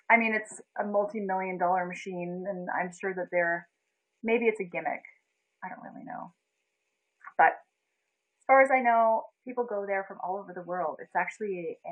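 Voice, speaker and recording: A woman's voice: medium pitch, phone-quality sound. A young woman from Canada chatting casually on a livestream, telling a story with lots of laughs and greeting viewers by name. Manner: chatty, animated storytelling, laughs often, reads out viewer names. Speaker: livestream host.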